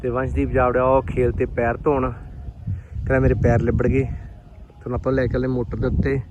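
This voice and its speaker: A man from Punjab, India, vlogs casually on a handheld phone, chatting to viewers as friends while riding a motorbike and walking through rural farm fields. His mid-range voice is monotone at a moderate pace, and the lo-fi outdoor phone audio picks up clear wind and field noise.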